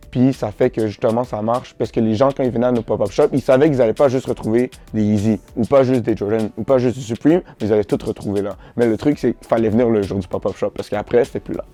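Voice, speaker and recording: A young man with a Québécois French accent, answering interview questions in a relaxed, slangy way, often restarting his sentences. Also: mid-range voice, fast talker. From Montreal, Canada. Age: teens. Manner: relaxed, slangy, repeats himself with many restarts. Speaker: boutique founder, interviewee.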